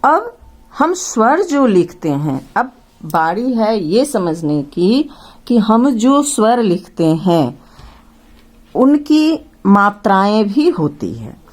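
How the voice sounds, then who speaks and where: A woman's voice: medium pitch, very animated, slow pace. A woman teaching grammar to children, patiently explaining and drawing out each vowel sound as she names it. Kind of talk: slow classroom explanation to children.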